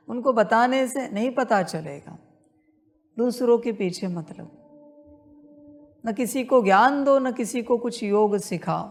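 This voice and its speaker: A woman leading a guided meditation, repeating her instructions in a slow, insistent spiritual talk. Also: a little high.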